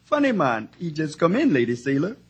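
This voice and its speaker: A man playing a loyal, gentle and droll hotel helper in a 1950s radio drama. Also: fairly high pitch, wildly swooping pitch, fairly quick, slightly rough, lo-fi sound, heavily acted. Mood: gently concerned. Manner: refers to himself in third person, droll.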